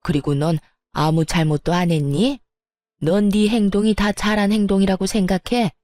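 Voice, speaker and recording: A woman's voice: mid-range voice, steady tone, moderate pace, darkish tone, no echo, close to an everyday voice. A woman voicing an angry, sarcastic older mother-in-law who bullies her daughter-in-law. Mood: sneering. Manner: sneering, bullying, sarcastic.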